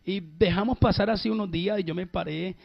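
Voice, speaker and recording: A fairly high-voiced man preaching with emphatic, drawn-out phrases, telling his own testimony to a congregation. The recording is dull and lo-fi, with the top end rolled off. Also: creaky. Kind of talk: sermon testimony.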